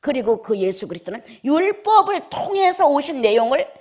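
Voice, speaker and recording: A woman pastor preaching a sermon, with scolding rhetorical questions and sudden drops from emphatic outbursts into hushed near-whispers. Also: sits high, sing-song, moderate pace.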